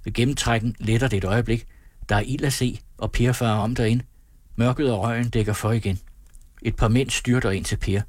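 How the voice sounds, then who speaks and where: Male audiobook narrator, husky voice, somewhat low pitch, dry close recording, calm measured reading. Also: no room sound. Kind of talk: scripted narration.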